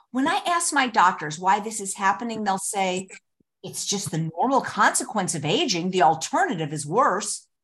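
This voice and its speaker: Her pitch is medium but swings very widely, and this woman talks at a moderate pace with big swings in loudness. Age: 60s. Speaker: vegan YouTuber and comedian. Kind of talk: stand-up. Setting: video call.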